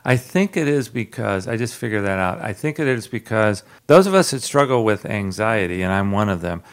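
A man's voice: fairly low pitch, brisk. A man hosting a Christian radio talk show, speaking casually with many filler words and a slight Southern accent. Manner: relaxed, many "uh" fillers, jokes about his southern drawl.

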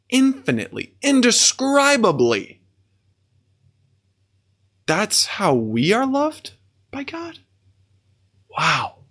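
Man, podcast host, earnest, wonder-struck exclamations, mid-pitched voice. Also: a bit bright. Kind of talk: faith podcast talk reading listener comments.

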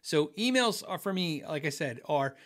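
In a casual home-office livestream, a middle-aged man reads viewer messages aloud, rambling and restarting often with lots of fillers. His fairly high, fairly bright voice has lively intonation and a moderate pace.

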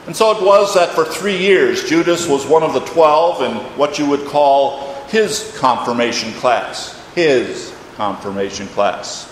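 A man's voice: a little high, animated, unhurried, hardly any pauses. An older man, a retired pastor, praying and reading a sermon in a church with solemn, emphatic phrasing. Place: church, during a service. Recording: echoey hall, long reverb, faint noise.

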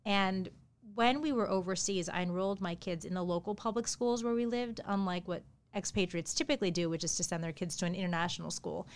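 A woman author from the New York City area, with Japanese as her first language, telling her story in an animated interview. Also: fairly low pitch, fairly quick, smooth. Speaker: author, podcast guest.

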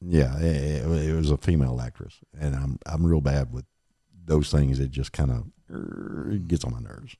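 A middle-aged man with a very deep voice hosting a podcast, chatting in a rambling, laid-back way. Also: moderate pace, warm tone, breathy edge, no echo, studio quality. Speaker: podcast host. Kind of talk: casual chat.

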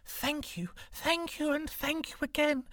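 A man voicing a grateful female green snake who swears lifelong loyalty, speaking effusively in a high voice. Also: fairly even intonation, a little slow, a bit bright, no room sound, clean studio sound. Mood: devoted.

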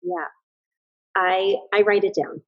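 A woman's voice: medium pitch, steady tone, takes it slowly, no echo. A woman in her thirties, a mother and business owner, speaking as a podcast guest in a thoughtful, earnest way, often restarting her sentences. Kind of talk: casual reflective interview talk. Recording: slightly dull, lo-fi sound.

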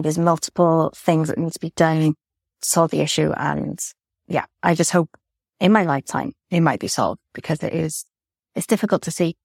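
A woman's voice: low voice, darkish tone, no echo, studio quality. A woman from Wales hosting an interview, asking questions and affirming answers encouragingly. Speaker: podcast host.

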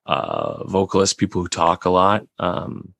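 A man with a raspy voice, hosting a casual podcast chat and rambling with many restarts. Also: low-pitched, huge pitch swings, a little slow, a bit bright, no echo, clean studio sound.

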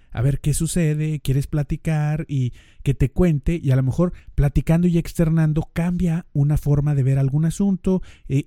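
Northern mexican guy hosting a podcast, super mellow dark voice, dry close sound, chats right at you. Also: medium pitch, no room sound. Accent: northern Mexican Spanish. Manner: conversational, addresses listener directly, acts out little dialogues. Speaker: podcast host. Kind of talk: casual podcast monologue.

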